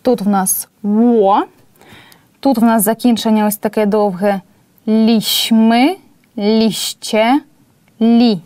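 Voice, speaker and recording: A woman teaching a language lesson at a board, explaining patiently and spelling out examples slowly. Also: on the high side, fairly even intonation, mellow, dry recording.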